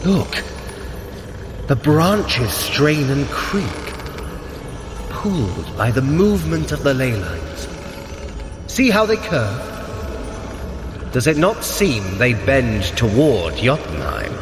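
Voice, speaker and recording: An actor playing a sly, haughty trickster god in an audio adventure, precise, formal and theatrical. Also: male voice, medium pitch, sing-song, slow pace, pauses often, echoey room, big-room sound, music in the background. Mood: haughty, urgent. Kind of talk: scripted audio adventure acting.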